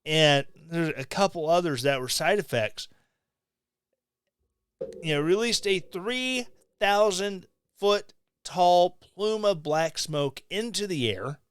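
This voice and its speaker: Slow, sarcastic middle-aged man ranting. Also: sits high, lively intonation, fairly bright tone, smooth, no room sound, clean studio sound. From Missouri, USA. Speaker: podcast host. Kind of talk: opinion commentary. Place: small home room. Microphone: studio mic on stand, close.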